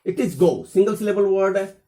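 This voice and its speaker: Speaking in a high, warm voice, a man runs a spoken English class where each point is explained in English and then repeated in Hindi. When he gives English examples, he slows down and speaks deliberately.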